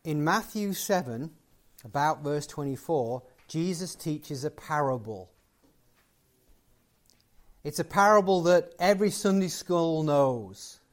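High-voiced man preaching with emphasis. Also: animated, takes it slowly. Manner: conversational, building to emphatic points. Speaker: guest preacher. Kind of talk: closing sermon and prayer.

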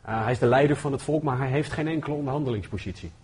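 A man delivers a sermon in an earnest, conversational way, his voice a little husky. His pitch sits in the middle, and he reads scripture aloud with growing force. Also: very fast, a little mellow. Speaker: preacher.

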